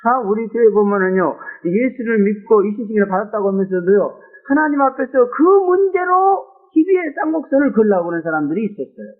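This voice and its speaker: A man's voice: sits high, very animated, brisk, few pauses. A man preaching a sermon in Korean, emotive and exclaiming, with frequent rhetorical asides to the congregation. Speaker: pastor. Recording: tinny phone-like lo-fi recording.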